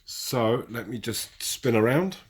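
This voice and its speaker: A man with a medium-pitched, breathy-edged voice speaks slowly but with lively intonation about progress on his model railway. He's in a hobby room on a camera mic, chatting casually, teasing himself and straying into asides.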